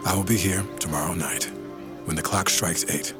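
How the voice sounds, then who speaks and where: An actor playing an imposing freeman sorcerer who speaks formally, in a measured, commanding way. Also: low voice, steady tone, over music, close to an everyday voice. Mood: courteous.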